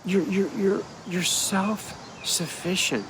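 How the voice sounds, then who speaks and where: A man's voice: high voice, slow, fairly bright tone, a little hiss or hum. A middle-aged man with a stuffed-up, nasal voice, talking casually and animatedly to a camera at arm's length outdoors, rambling and restarting his sentences. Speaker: spiritual healer. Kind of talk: casual vlog monologue. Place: outdoors in a wooded yard. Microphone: phone or camera at arm's length.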